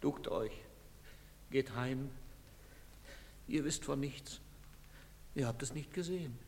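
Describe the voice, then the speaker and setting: A man's voice: mid-range voice, slow pace, a little mellow, long reverb tail, slight background noise. An actor playing a bitter, grieving father in a classic radio play.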